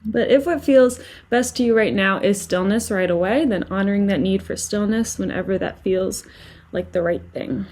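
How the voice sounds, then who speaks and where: A woman leading a guided relaxation as a meditation teacher, speaking gently and soothingly with unhurried phrasing and long pauses. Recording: lower-quality microphone.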